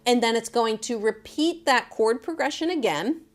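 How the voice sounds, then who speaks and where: A woman's voice: a little high, animated, normal speed. A woman giving a casual, chatty guitar lesson, talking informally and directly to viewers as their teacher. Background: acoustic guitar.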